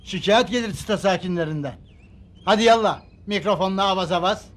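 An actor playing an irritable middle-aged father who owns a holiday home and scolds loudly in a sitcom. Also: high voice, fairly quick, lightly acted. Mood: scolding. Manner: scolding, grumbling. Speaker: annoyed estate resident. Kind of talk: sitcom acting.

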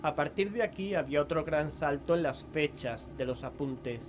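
Man playing a higher-voiced investigator narrator. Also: expressive, moderate pace, background noise, lightly acted. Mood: measured. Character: male investigator narrating what old notes reveal. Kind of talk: scripted audio drama narration.

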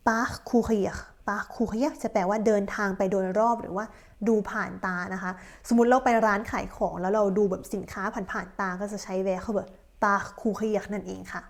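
A young woman teaching a language lesson, giving slow, careful model pronunciations between quick explanations. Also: mid-range voice, fairly even intonation. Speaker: French teacher.

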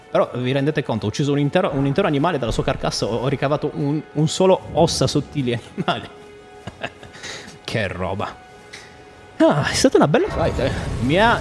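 A man giving excitable gameplay commentary as a streamer, shouting at the boss and joking boastfully. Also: medium pitch. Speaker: gaming streamer. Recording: loud game music behind.

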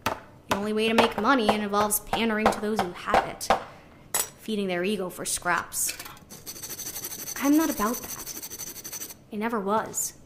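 A woman's voice: mid-range voice, measured pace, pauses often, very noisy, lightly acted. A woman playing a spirited, idealistic young artist musing conversationally into a recorder in an audio drama. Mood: wistful. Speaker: actor in a sci-fi audio drama. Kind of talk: audio drama monologue, naturalistic.

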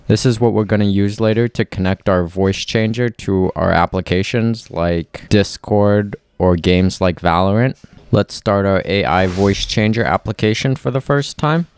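A man narrating a step-by-step software tutorial as presenter, instructing clearly and methodically into a close mic. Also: lowish voice, no room sound.

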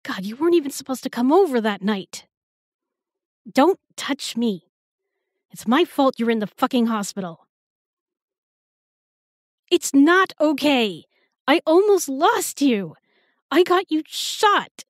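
A woman playing a guilt-ridden, protective girlfriend in an intimate audio roleplay, speaking haltingly and emotionally in a breathy, husky voice. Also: sits high, sing-song, no room sound, clean studio sound, full character voice. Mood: angry, distraught. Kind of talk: intimate audio roleplay acting, spoken to the listener.

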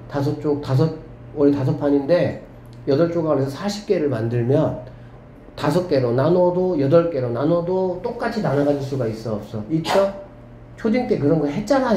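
A man teaching a math class to students, lively and often checking whether they follow. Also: fairly high pitch. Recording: echoey room with faint background hum.

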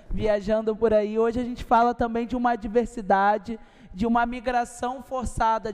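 A woman's voice: fairly high pitch, a little mellow, clear, resonant tone. A woman, presenting formally as host of a ceremony. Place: large wood-panelled legislative chamber, indoors. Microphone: gooseneck desk microphone. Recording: echoey hall with long reverb.

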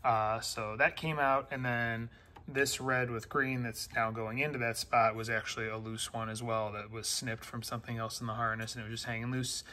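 A man's voice: medium pitch, level tone, normal speed, bright, forceful tone. A middle-aged man talking through his car build in a garage, plainly and methodically, with lots of "uh" and "um". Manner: plain, methodical, many "uh" and "um" fillers. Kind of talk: casual build-update narration. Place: garage workshop.

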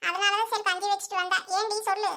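A woman's voice: little pitch movement, fast, exaggerated voice. A woman voicing a complaining old village mother-in-law in a cartoon, nagging and scolding her daughter-in-law. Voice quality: very high, bright cartoon voice. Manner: nagging, scolding, keeps calling the other "di". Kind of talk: village cartoon comedy acting.

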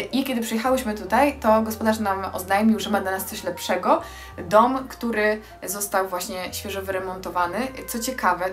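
A young adult woman vlogs with enthusiasm, giving an effusive, casual house tour to the camera with music playing behind her. Her voice sits at a medium pitch as she shows off a small stone house and its outdoor terrace.

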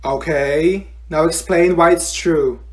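A woman's voice: deep voice, slow pace, a little mellow, pitched below the performer's own voice. A woman playing a bossy, falsely cheerful schoolteacher in a comedy classroom skit, with a snappy sing-song manner. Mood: instructing. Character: bossy, fake-cheerful female schoolteacher scolding her class.

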